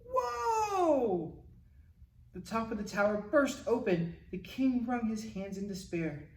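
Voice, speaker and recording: A man reading a children's picture book aloud as a storytime host, in an expressive, dramatic manner with asides to the listeners. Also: high voice, slow. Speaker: library storytime reader. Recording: roomy, distant mic, faint noise.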